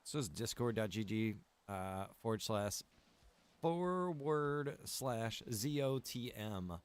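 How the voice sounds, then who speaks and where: A man's voice: lowish voice, expressive, extremely slow, clean tone. A man talking casually and easily to viewers as he hosts a live gameplay stream, chatty and direct. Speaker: game streamer and server admin.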